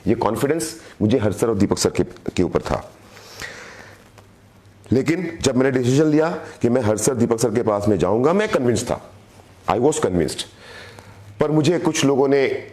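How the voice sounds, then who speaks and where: With a lowish, slightly mellow voice roughened by a sore throat, a middle-aged direct selling team leader earnestly motivates his audience in a live video address. Repeated phrases give his points extra weight.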